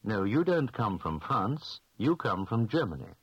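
Male, low and slightly husky, precise enunciation for a recorded language drill, dry sound. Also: very animated, a bit bright, no room sound, dull audio. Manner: slow, clearly enunciated answers. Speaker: language lesson speaker.

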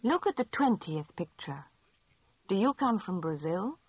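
Female, mid pitch with lively rise and fall, clear teacher prompts, dull dry lo-fi sound. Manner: clear, measured prompting questions. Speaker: language lesson speaker. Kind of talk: scripted language drill.

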